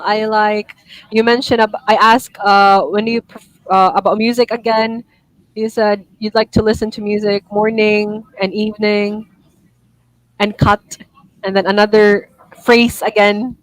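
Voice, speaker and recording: A woman teaching an online one-on-one IELTS lesson, giving gentle corrections and apologizing for her own slips. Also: mid-range voice, flat delivery, unhurried, no room sound, rough recording.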